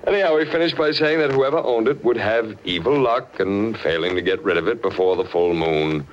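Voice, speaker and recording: An actor playing a concerned, probing psychiatrist in an old-time radio horror drama, with an emphatic, theatrical delivery. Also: male voice, on the low side, fairly quick, natural voice. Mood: conversational. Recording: noisy, dull old radio broadcast recording.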